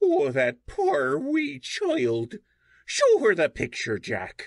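Using a put-on character voice, a man speaks very slowly at a high pitch, the sound dry and close with no echo and the background quiet. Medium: audio drama.

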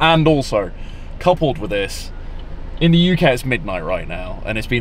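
In a dry sound with no echo and light background noise, a man talks at a moderate pace. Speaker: travel vlogger. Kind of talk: casual vlog chat. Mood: playful, joking. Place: car.

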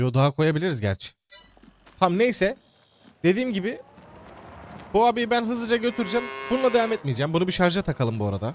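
A man with a high pitch, very wide pitch swings, a very fast pace and long, frequent pauses. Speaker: gaming YouTuber. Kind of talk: gameplay commentary. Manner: animated.

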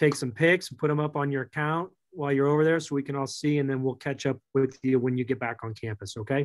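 A man talks at a very fast pace in a medium-pitched voice with fairly even intonation. The background is quiet. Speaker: sports reporter. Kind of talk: interview. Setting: video call. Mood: friendly, upbeat. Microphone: webcam.

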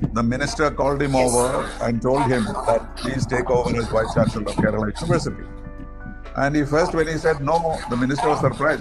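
Over clear music in the background, the voice runs at a very fast pace with ordinary pitch variation. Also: man. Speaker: talk show host. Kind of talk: interview conversation, storytelling and questions. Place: home room. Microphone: video call.

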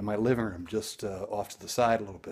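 A man's fairly quick speech with ordinary pitch variation over a quiet background. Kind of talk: casual vlog explanation. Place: home room. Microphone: phone near.

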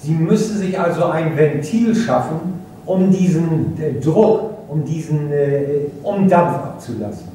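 A man's high-pitched voice at a very slow pace, with strong room echo and light background noise. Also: ordinary pitch variation. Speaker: audience member. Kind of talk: audience question. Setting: event hall with microphone. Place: stage.

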